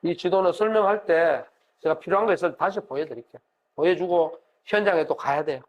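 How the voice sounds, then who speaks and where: A man's voice: a little high, a little fast. A middle-aged man from the Gyeongsang region, with a Gyeongsang accent, giving a classroom lecture and questioning his audience conversationally. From Gyeongsang region of Korea. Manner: conversational, asks the audience questions and answers them. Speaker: university professor lecturing.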